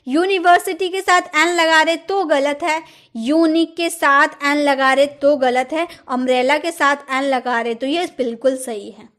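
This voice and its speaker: Woman, high voice, exam-prep grammar lesson, asks questions and answers them, repeats key words. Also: steady tone, unhurried, fairly bright tone. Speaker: English grammar teacher.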